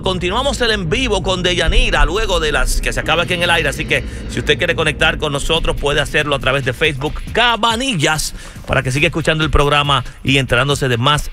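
A man hosting a live radio call-in show, announcing the phone number in an upbeat, drawn-out way. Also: a little high, music in the background. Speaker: radio host.

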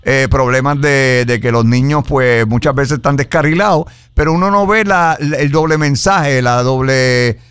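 A man's voice: mid-range voice, moderate pace, hardly any pauses, a bit bright, clear, resonant tone, no echo, clean studio sound. A man chatting casually as a co-host. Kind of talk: casual chat, reacting.

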